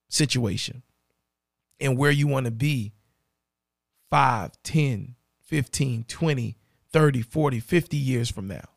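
Raspy, gravelly male podcast host. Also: on the high side, dry recording, clean studio sound. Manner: earnest, repeats key phrases, addresses listener directly. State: dry throat. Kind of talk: motivational podcast monologue.

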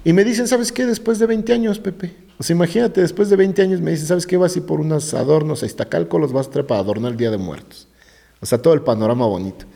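A middle-aged man with a Mexican accent, a gravedigger telling ghost stories in a lively way, often dropping into hushed tones. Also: quick pace, vocal fry. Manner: vivid storyteller who sinks into hushed low tones. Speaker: gravedigger guest. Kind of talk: animated ghost-story telling in conversation. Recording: roomy reverb.

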